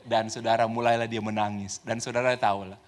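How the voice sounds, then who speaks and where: A male pastor, preaching a lively sermon full of stories. He swings between loud exclamations and soft asides and laughs often. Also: fairly low pitch, fairly quick. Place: church.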